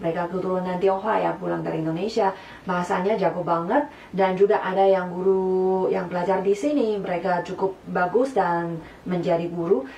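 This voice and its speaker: A woman with a Mandarin Chinese accent at a fairly quick pace, with audible room echo and noticeable background noise. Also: medium pitch for a woman, ordinary pitch variation. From China, Beijing. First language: Mandarin Chinese (speaking Indonesian). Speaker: vlogger. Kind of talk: casual Q&A vlog. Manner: halting, with many fillers.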